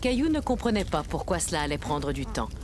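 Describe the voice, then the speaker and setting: A woman's voice: low-pitched, sing-song, a little fast. A woman narrating a children's cartoon as a kindly storyteller, reading a scripted tale. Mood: gentle narration. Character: kindly storyteller narrating a small boy's adventures. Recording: music under the voice.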